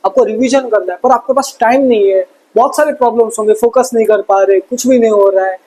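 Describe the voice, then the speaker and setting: A young man with a high, husky voice gives exam revision tips to students. He talks in a fatherly, encouraging way and often goes back over the same advice. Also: fast talker, darkish tone, rough recording. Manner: fatherly, calls viewers "beta", repeats advice. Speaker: study tips presenter. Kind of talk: motivational study advice talk.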